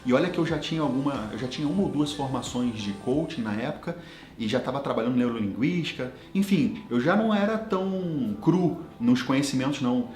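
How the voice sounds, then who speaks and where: A man's voice: medium pitch, brisk. Male coach, thirties, storytelling motivational talk, echoey room, faint music underneath. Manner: personal storytelling with lively quoted dialogue. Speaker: business coach and consultant.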